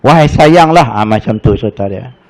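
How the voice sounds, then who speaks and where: A man's voice: medium pitch, lively intonation, normal speed. A middle-aged man with a Malaysian Malay accent teaching a casual religious class, telling stories in a chatty, folksy way and reciting Arabic verses.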